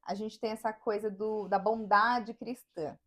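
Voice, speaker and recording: A woman's voice: medium pitch, fairly even intonation, measured pace, a bit bright. A Brazilian woman with a Brazilian Portuguese accent, co-hosting a casual podcast conversation and telling personal stories. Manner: storytelling, acts out quoted voices. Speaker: podcast co-host.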